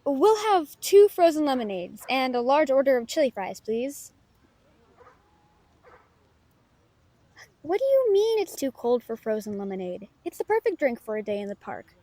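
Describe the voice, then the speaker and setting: High-voiced, chatty young woman novelist played by an actress. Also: big pitch swings, fairly quick, few pauses, mellow, dry recording. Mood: light, teasing. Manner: chatty, teasing, self-deprecating. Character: playful, self-doubting young woman novelist chatting with her friend. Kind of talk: intimate audio roleplay addressed to a listener.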